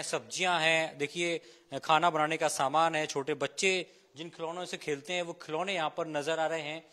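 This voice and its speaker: A man field reporter with a high, bright voice, speaking outdoors into a handheld mic. He walks viewers through the scene and leans into its emotion as he talks. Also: no echo. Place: outdoors at a disaster site.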